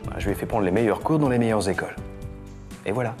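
A man plays a middle-aged, pompous businessman dad in a spoof commercial. His animated, mid-pitched voice delivers slogans over prominent music and easily turns exasperated. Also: natural voice. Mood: solemn, proud. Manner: solemn, deliberate slogan delivery. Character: self-important businessman father advertising himself, easily exasperated. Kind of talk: parody TV advert narration. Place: studio set.

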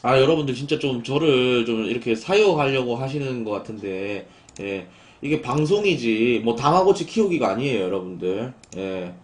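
Lively young Korean man streaming in an echoey room. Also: mid-range voice, normal speed. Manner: talks back to chat, rising into exasperated outbursts. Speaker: live streamer. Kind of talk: casual live-stream chat.

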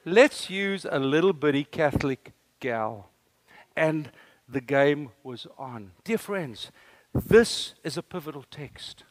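A South African man with an Afrikaans accent preaching a lively sermon, telling stories and tossing questions to the congregation. His voice sits fairly high for a man and is recorded dry and close, with little room sound. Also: takes it slowly, no echo. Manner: animated storytelling preacher, asks the room questions. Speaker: guest preacher.

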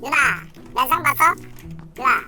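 A squad player teasing friends in casual gaming chat through a pitch-shifting voice changer, sounding squeaky and artificial. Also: unhurried, music in the background. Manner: teasing, needling. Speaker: squad player in online shooter stream.

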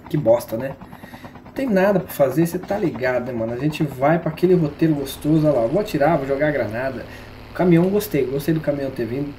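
A man's voice: on the high side, animated, quick pace, warm tone, slight background noise. A man with a Brazilian Portuguese accent streaming a shooter game, giving slangy, joking live commentary and teasing his viewers.

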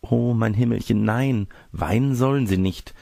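Mann spielt naives junges Bauernmädchen, deutlich höher gesprochen. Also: male voice, medium pitch, a little slow, vocal fry, dark tone, no echo, voice pushed up. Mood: soothing. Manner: fussy, exclamatory, polite protests. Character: naive, coy, scolding young peasant girl.

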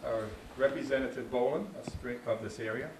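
A man's voice: medium pitch, brisk. A man with a Boston accent, a park ranger giving an informal talk into a handheld mic in a small room, chatty with frequent restarts and dry jokes. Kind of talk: informal talk with audience questions. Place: small dark meeting room with slide screen. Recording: echoey room with faint noise.

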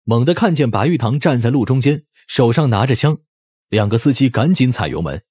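Husky, expressive male audiobook narrator. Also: mid-range voice, a little fast, dry recording, clean studio sound. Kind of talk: dramatic scripted narration.

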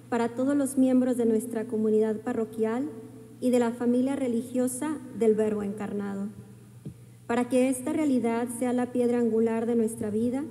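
A woman reads at a lectern microphone in a calm, formal manner. Her voice is very dark and mellow, though fairly high, and a long church reverb trails behind her. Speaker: lector. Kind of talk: reading Mass introduction.

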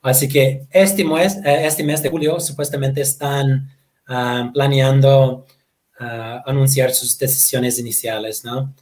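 A man in his thirties, a native Portuguese speaker, fields questions on a video call at a medium pitch. He talks haltingly, repeating words and tacking short tag questions onto his phrases. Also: steady tone, darkish tone. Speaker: guest presenter. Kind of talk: webinar Q&A answers. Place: home room, indoors.

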